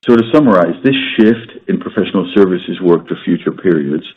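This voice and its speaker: A man with a very deep voice, croaky from a sore throat, delivers business results in a measured, matter-of-fact way. The sound is dull and muffled, as if carried over a conference line. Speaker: company executive. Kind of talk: earnings call remarks. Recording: muffled conference-call audio.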